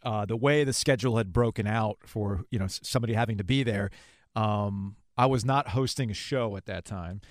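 A man hosting a conversational sports podcast, telling stories in a casual, slangy way with animated asides. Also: lowish voice, brisk, no room sound, clean studio sound.

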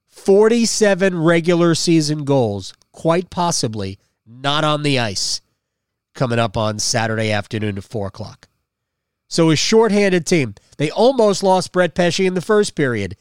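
High-voiced man hosting a sports podcast. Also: smooth, no echo, studio quality. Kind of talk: casual post-game sports commentary.

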